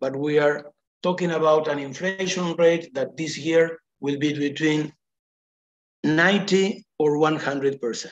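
Words are delivered very slowly. The speaker talks with a Spanish accent. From Argentina. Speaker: economics researcher; panelist. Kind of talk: webinar presentation; panel Q&A. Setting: video call. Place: home room. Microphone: video call.

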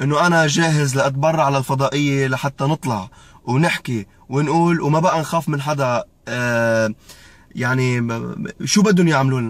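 The sound is dry, with no echo. A man talks at a moderate pace and a fairly high pitch, with ordinary pitch variation. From southern Lebanon, Hasbaya district; southern Lebanon. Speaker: Lebanese expatriate activist. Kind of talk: political video message. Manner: impassioned. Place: car. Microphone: phone near.

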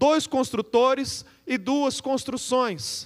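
A man speaks over a quiet background. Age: 30s. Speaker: pastor. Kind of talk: sermon. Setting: church service, streamed online. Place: church. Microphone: handheld.

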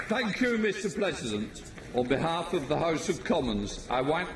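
Over light background noise and audible room echo, a man talks with very wide pitch swings. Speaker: Commons Speaker presiding over the House. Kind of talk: parliament oratory: formal, ceremonial welcome and procedural announcements. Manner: formal, measured, solemn. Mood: solemn, grateful. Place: hall. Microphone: podium.

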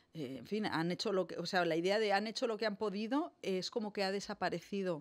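In a quiet background, a woman talks fairly quickly with ordinary pitch variation. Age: 50s. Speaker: film and TV podcast host, journalist; TV podcast host, journalist. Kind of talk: interview chat. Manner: halting, many fillers. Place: studio. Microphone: studio mic.

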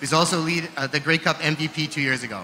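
With ordinary pitch variation, the voice has a bright, sharp tone over light background noise. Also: man. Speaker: university recruitment officer, event announcer. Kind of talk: scripted introduction. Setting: stage with audience. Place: hall. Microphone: podium.

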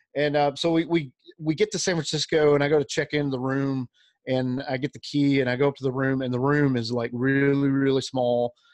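A man with an Alabama accent at a fairly quick pace, fairly even intonation, quiet background and dry sound with no echo. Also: fairly high pitch for a man. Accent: Alabama, Southern US. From Alabama, US. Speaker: podcast host and conference co-founder. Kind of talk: interview answer. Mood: amused, relaxed storytelling. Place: home room.

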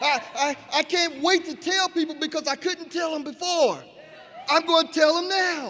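Raised and projected, a man's voice with an American accent rings out at an extremely high pitch in a bright, sharp tone over light background noise. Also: moderate pace. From US Pacific Northwest. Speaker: distributor giving a testimonial; speaker. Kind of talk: testimony. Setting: stage with audience. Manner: animated. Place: hall. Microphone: podium.

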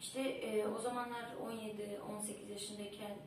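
A woman's fairly high voice with fairly even intonation, audible room echo and noticeable background noise. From Germany, Cologne. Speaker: professional footballer. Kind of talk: interview. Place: studio.

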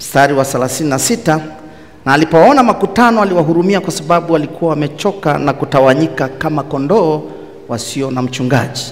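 A man's voice with lively intonation, at a moderate pace. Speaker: preacher. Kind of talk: sermon. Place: hall.

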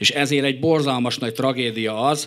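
A man speaks at a fairly slow pace with ordinary pitch variation over a quiet background. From Hungary. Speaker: nationalist group leader; panel discussant. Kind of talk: panel discussion. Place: tent. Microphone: handheld.

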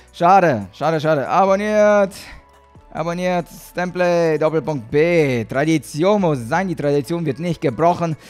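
Faint background music behind a man's moderately paced speech. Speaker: game streamer. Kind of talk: casual live-stream commentary.

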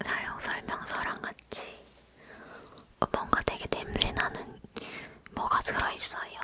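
Whispering at a very slow pace with long, frequent pauses, over noticeable background noise. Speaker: ASMR creator. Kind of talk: ASMR unboxing. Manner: whispered.

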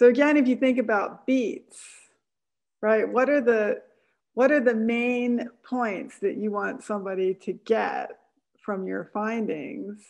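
Against a quiet background, a woman talks at a fairly slow pace with a fairly high pitch and ordinary pitch variation. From Philadelphia, US. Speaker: design writer and curator; design lecturer. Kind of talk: lecture. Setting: video call from home. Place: home room. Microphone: earbuds.

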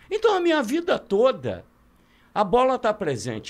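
Speaking fairly slowly, a man lets his pitch rise and fall over a very wide range. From Brazil. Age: 70s. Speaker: former footballer and radio pundit; radio pundit. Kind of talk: casual interview chat. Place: studio. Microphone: studio mic.

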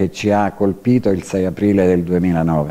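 This man's voice has a dark, mellow tone. He speaks at a fairly slow pace. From L'Aquila, Abruzzo, Italy. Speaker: local politician. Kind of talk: interview.

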